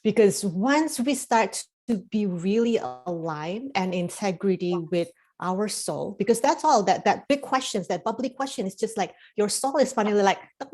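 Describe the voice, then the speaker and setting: A woman's voice: on the high side, darkish tone. A middle-aged woman from Indonesia, a life coach guest in a casual interview, talking in a rambling way with many fillers and restarts.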